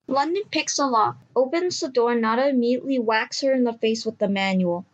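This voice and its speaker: A woman's voice: a little high, a little fast, muffled recording. A woman reading scripted story narration as the narrator of an audio drama.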